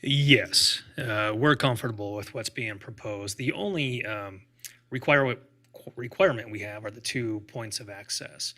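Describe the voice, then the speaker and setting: A man's voice: medium pitch, measured pace, bright, forceful tone. A man testifying as a fire official at a public meeting, explaining requirements in plain, formal terms. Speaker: fire marshal.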